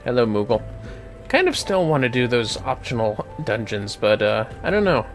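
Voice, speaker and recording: Casual, animated game streamer, music behind. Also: mid-range voice, normal speed. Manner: salty, swears casually, mutters to self. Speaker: livestreamer playing an online fantasy game. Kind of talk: casual gameplay commentary.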